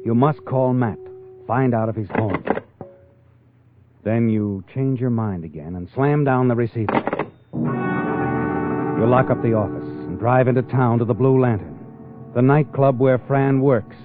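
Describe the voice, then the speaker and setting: An actor playing a sinister, taunting narrator of a 1940s radio crime drama, insinuating and deliberate. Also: male voice, medium pitch, lightly acted. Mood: ominous. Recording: tinny, band-limited 1940s radio with music.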